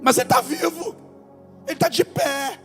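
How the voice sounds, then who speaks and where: High-voiced Brazilian pastor preaching animatedly. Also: male voice, normal speed, in a large hall, faint music behind. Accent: Brazilian Portuguese, Rio de Janeiro state. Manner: animated preaching, shifting between soft asides and loud exclamations. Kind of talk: sermon. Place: church sanctuary.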